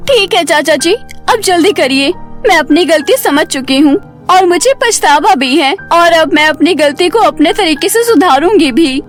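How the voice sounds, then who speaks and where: A woman's voice: very high voice, animated, normal speed, faint music behind. A woman voicing a hot-tempered young serpent woman in a cartoon story, with dramatic, emotional delivery. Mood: remorseful, determined.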